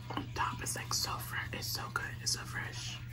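A soft-spoken woman is whispering. Loud noise fills the background. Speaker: ASMR eating vlogger. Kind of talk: casual talk to camera. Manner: whispered, soft-spoken. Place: home room. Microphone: studio mic.

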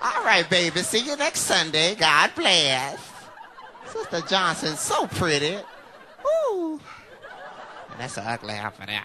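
A man talks at a fairly slow pace, leaving long, frequent pauses. There is noticeable background noise behind him. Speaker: stand-up comedian. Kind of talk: stand-up. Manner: animated.

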